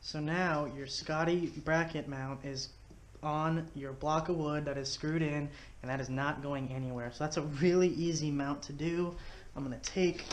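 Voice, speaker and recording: In this casual how-to, a man from Texas who hosts fishing videos talks through building something with his hands, recording on a head-mounted action camera indoors in his living room. His voice is a little high, and there's background noise.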